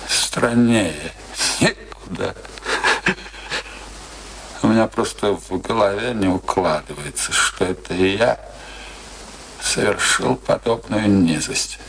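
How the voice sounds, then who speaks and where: An embittered middle-aged husband in a radio drama. His voice is low and creaky, and he speaks very slowly with pensive pauses and cool cynicism. A faint noise sits under the recording. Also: a bit bright, exaggerated voice, low-quality recording. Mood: weary, bitter. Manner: slow, halting, pensive delivery. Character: embittered, cynical, world-weary husband confessing coolly. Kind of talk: theatrical radio play dialogue.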